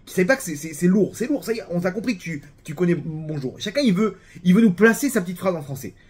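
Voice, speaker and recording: A man with a French accent giving a casual religious talk, animated and full of restarts and repeated words. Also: high-pitched, fast, breathy edge.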